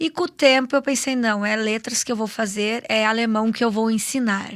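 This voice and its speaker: A woman's ordinary speaking voice, fairly high in pitch, with ordinary pitch variation at a moderate pace, on a very clean recording with a silent background. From southern Brazil, German-colonized region. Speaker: German teacher. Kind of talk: TV interview.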